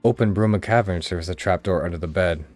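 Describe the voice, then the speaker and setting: A man's voice: deep voice, fast, a little mellow, soft background music. A man from the United States chatting casually with viewers as he streams a game, swearing freely. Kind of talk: casual gameplay commentary.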